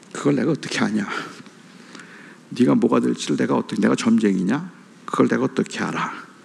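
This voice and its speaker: Over noticeable background noise, a man talks at a very fast pace broken by long, frequent pauses. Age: 60s. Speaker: pastor. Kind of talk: sermon. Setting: church retreat service.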